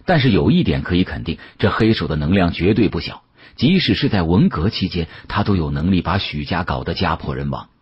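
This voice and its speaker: A man narrates an audiobook in a very low, heavily husky voice. His intonation is lively and expressive. The sound is a little dull. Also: fairly quick. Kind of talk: expressive scripted first-person narration.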